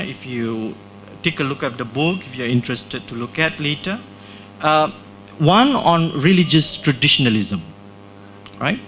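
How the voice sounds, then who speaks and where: A man's voice: medium pitch, fairly bright tone, slight background noise, low-quality recording. A man from Singapore presenting his book at a launch event, talking in a discursive way with frequent "right?" tag questions and restarts. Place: small hall.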